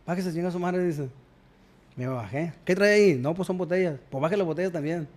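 A man tells stories as a guest in a casual chat, his voice sitting a little high. He talks in slang and acts out both sides of every exchange. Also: brisk, darkish tone. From Culiacán, Sinaloa, Mexico. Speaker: guest musician.

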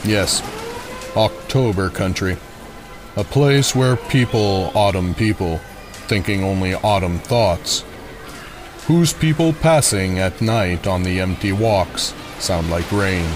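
A man playing a sinister, knowing carnival showman in a dark audio drama, with an ominous, poetic and politely menacing manner. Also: sits low, takes it slowly. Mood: ominous, musing. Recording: music under the voice.

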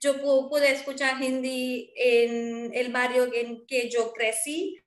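Slow, high-voiced Indian woman. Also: steady tone, echoey room. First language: Marwari. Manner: hesitant, searching for words. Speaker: guest, Spanish teacher. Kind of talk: interview.

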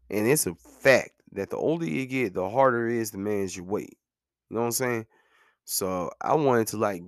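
A man's voice: lowish voice, a bit bright, no room sound, clean studio sound. Earnest motivational man in his thirties. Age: 30s. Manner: earnest, motivational, repeats himself for emphasis; conversational, says "man" and "you know what I'm saying". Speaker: podcast host. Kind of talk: casual monologue.

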